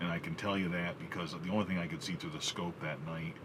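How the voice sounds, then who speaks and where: Very fast speech from a man with a very deep, low pitch and ordinary pitch variation, amid audible room echo and noticeable background noise. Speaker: hunting vlogger. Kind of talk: outdoor vlog narration. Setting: outdoors; hunting blind. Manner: loud.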